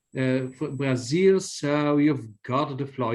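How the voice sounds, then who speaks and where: There is audible room echo as a man speaks fairly slowly in a fairly high voice. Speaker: conference moderator, law professor. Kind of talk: moderating a conference.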